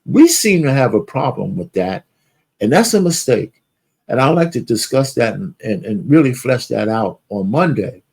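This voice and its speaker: A man's voice: medium pitch, big pitch swings, normal speed, vocal fry, darkish tone, breathy edge. A man hosting his own talk show, speaking bluntly in a loose, rambling way with some swearing. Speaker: host. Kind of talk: casual talk show monologue.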